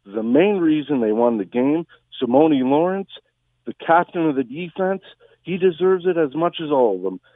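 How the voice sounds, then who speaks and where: Speaking at a moderate pace, a man in an unremarkable speaking voice uses lively intonation. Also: fairly high pitch for a man. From Grimsby, Ontario, Canada. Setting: phone call.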